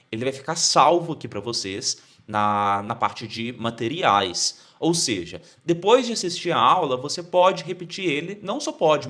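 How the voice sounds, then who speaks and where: A man from Brazil teaching English in Portuguese, saying words slowly and having learners repeat them, with frequent "ok?" check-ins. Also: on the high side, fairly bright tone. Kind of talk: online language lesson.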